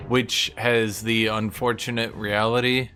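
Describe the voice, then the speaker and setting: A man's voice: lowish voice, flat delivery, a little slow, pushed and bright, faint music behind. A man giving casual, blunt and sweary live commentary on a strategy game as he streams to chat.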